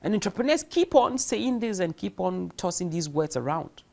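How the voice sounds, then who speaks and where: A man's voice sits high and swings widely in pitch, creaky and somewhat dark, at a normal speed. He is delivering a recorded distance-learning university lecture, emphatic throughout, with rhetorical questions and acted-out examples.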